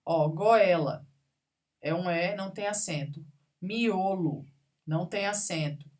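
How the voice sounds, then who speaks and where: A woman with a lowish, darkish voice teaches grammar slowly and patiently in a recorded classroom lesson. She works through examples one word at a time and checks in with her students.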